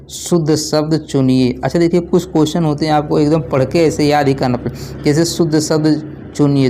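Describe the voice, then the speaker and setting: A young male tutor explains spelling to exam students online, asking a question, answering it himself, and repeating that cycle. He speaks in a medium-pitched, dark-toned voice, and a little hiss or hum is audible.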